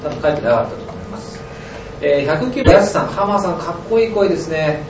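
Host, male, slightly high voice, reading listener mail in a roomy room, distant dull mic with noise. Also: expressive, fast talker. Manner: reads out numbered messages, chuckles often. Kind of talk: casual live-stream chat.

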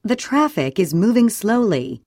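For drill practice, this woman reads brief scripted English sentences slowly, keeping each one clear, even and deliberate. Her medium-pitched voice has lively, up-and-down intonation, and the recording is dry and close without any room sound.

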